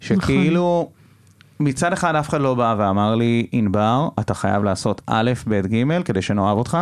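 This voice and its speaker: Over a quiet background, a man at medium pitch speaks fairly slowly with very wide pitch swings and very even loudness. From Israel, Golan Heights kibbutz. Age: 20s. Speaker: communications student and metal band musician. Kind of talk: casual chat. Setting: studio.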